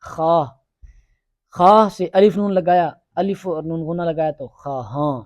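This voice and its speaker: Quick questions and repetition drills fill this classroom grammar lesson led by a male teacher who has students repeat forms. His slightly high, darkish voice has fairly even intonation and sounds close and dry with no room echo, on a muffled recording.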